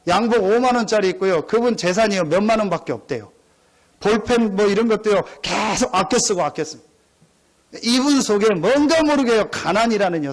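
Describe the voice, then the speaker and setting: A middle-aged man preaching a sermon as pastor, emphatic and repetitive, often calling out to the congregation. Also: sits high. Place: church sanctuary.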